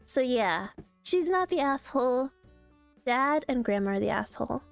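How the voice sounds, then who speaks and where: A young adult woman streaming casually, reacting to posts in a playful, animated way and laughing often. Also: high-pitched, normal speed, creaky, no echo, faint music behind.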